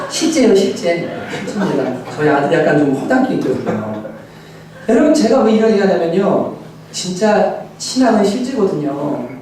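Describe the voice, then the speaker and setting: A man preaching a sermon, telling a family story with lively voices for his wife and son. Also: high voice, slight background noise. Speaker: pastor. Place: church sanctuary. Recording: echoey church hall, mic at a distance.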